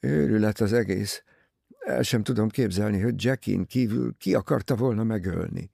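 A wounded young husband, frightened and strained, pushing his words out haltingly, as a male narrator plays him. Low, gravelly and husky, in a dry close audiobook recording. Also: dark tone, dry recording, heavily acted.

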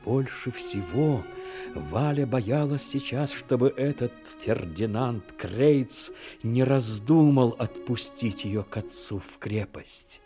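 A man narrating a literary radio drama in a grave, measured manner. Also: mid-range voice, expressive. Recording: old radio play, prominent music behind.

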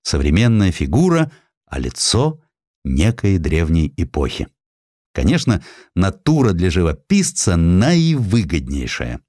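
Deep male audiobook narrator, really animated and theatrical, big dramatic pauses, telling history like a story. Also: no room sound, clean studio sound. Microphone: close studio microphone.

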